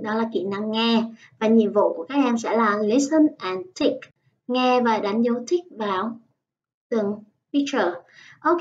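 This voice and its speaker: Lady teacher, patient, kinda distant dull audio. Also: on the high side. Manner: patient, explains in Vietnamese and models English phrases slowly. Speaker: English teacher. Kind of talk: online lesson narration. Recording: dull, slightly distant lo-fi sound.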